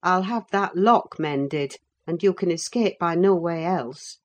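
A woman's voice: lowish voice, muffled recording. A woman voicing a stern, middle-aged housekeeper in an audiobook reading, firm and scolding. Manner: firm and brisk.

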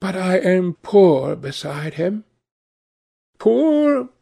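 A man's voice: high voice, sing-song, slow, gravelly, a little mellow, slightly rough, pitched above the performer's own voice, full character voice. A man voicing a gushing lovestruck young woman. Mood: rapturous.

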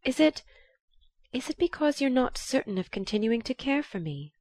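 Woman reading as a young society woman, genteel, soft-spoken, raised pitch, lively lilt. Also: moderate pace, dry recording, studio quality. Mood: earnest.

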